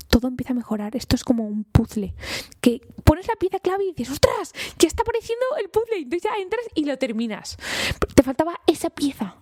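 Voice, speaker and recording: A woman doctor with a Spain Spanish accent hosts an informal health podcast. Her voice has a gravelly edge and a mellow, dark tone, and the sound is dry and close. She talks in an eager, chatty way, speaking straight to her listeners. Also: on the high side, no echo. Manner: enthusiastic and chatty, addresses listeners directly. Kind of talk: informal educational podcast talk.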